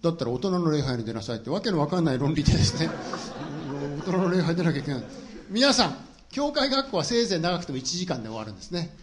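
A middle-aged man preaches a sermon in a quick, animated delivery. His slightly high voice rises and falls freely as he shares humorous personal stories with the congregation. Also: a crowd in the background. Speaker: pastor.

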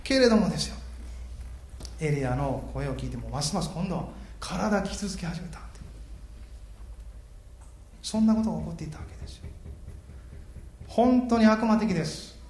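Pastor preaching, lively and joking around, fairly high voice, roomy church echo. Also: male voice, normal speed, pauses often. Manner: animated, joking with the congregation. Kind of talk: sermon.

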